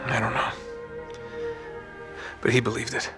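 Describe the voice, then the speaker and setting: A man's voice: mid-range voice, monotone, unhurried, lightly acted. A man, playing a weary, determined everyman adventurer in a video game. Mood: subdued, grim. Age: 30s. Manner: casual, understated. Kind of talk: natural video game cutscene acting. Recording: loud music behind the voice.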